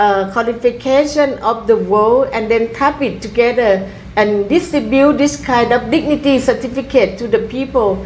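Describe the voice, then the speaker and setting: A woman speaks at a moderate pace with hardly any pauses, her pitch high and its variation ordinary. Noticeable background noise runs under the recording. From Thailand. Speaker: researcher. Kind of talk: interview. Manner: halting.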